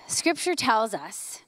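Woman pastor, forties, higher voice, emphatic sermon, hushed drops, dry handheld mic. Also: big pitch swings, extremely slow, no room sound. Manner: emphatic, rising and dropping to soft hushed lines. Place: church stage, large hall.

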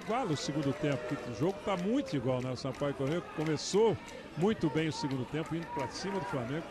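A man's voice: a little high, lively intonation, fast. A Brazilian man giving conversational football analysis, often ending his points with little tag questions. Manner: frequent rhetorical tag questions. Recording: crowd noise behind broadcast voice. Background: stadium crowd.

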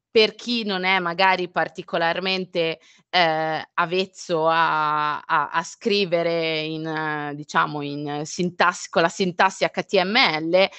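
A woman gives a webinar tutorial in a slow, unhurried way, stopping often for fillers and to correct herself. Her voice sits a little low, and it is recorded dry, close to the mic, with no room sound. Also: a bit bright, no echo. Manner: hesitant, many fillers and self-corrections. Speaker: presenter of a software tutorial. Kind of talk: live webinar explanation with screen demo.

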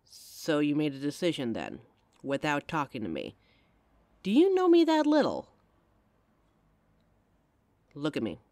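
A woman's voice: deep voice, wildly swooping pitch, a little slow, pauses often, darkish tone, no echo, full character voice. A woman playing a caring young adult girlfriend in an audio roleplay, talking intimately and emotionally straight to the listener on a close mic. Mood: tender, reassuring.

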